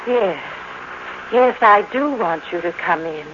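Brooding, jealous wife, slow-paced. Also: female voice, lowish voice, lively intonation. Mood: brooding, accusing. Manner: melodramatic, brooding. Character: jealous, unstable wife obsessed with her husband. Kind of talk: 1950s radio drama acting. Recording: muffled, noisy old radio recording.

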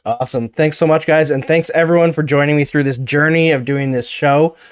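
A man's voice: fairly high pitch, steady tone, fairly quick, clean tone, no room sound, studio quality. A man hosting a casual sports podcast, talking earnestly about the games. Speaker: podcast host.

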